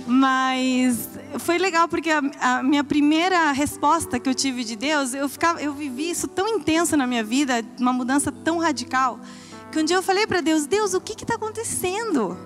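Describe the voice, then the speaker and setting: A young woman with a high, bright voice tells her church testimony in an earnest storytelling way, acting out what she once said. Soft music plays faintly behind her. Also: moderate pace. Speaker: pastor's wife giving testimony.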